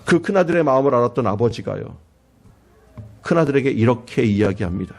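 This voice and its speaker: A man's voice: medium pitch, animated, fairly quick, creaky, a little mellow. A male pastor preaching a sermon in a church, dramatizing quotes and rhetorical questions. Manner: dramatic, acting out quoted voices with rising intensity.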